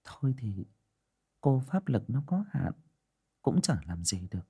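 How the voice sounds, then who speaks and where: A man voicing an older female fortune-teller who frets and explains in quick bursts. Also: mid-range voice, big pitch swings, creaky, mellow, slightly rough, heavily acted. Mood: resigned. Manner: fussy, exclaiming, talks fast in bursts. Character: older woman fortune-teller, fretful and worried.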